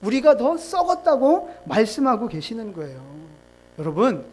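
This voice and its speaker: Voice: medium pitch, a little mellow. A pastor giving a sermon in a church, playful and teasing, leading the congregation through call-and-response. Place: church sanctuary.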